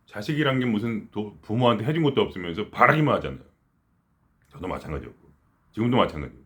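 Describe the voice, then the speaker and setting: A middle-aged spiritual teacher gives a casual talk, rambling conversationally, restarting often and murmuring quiet asides. He speaks low, animated and fast.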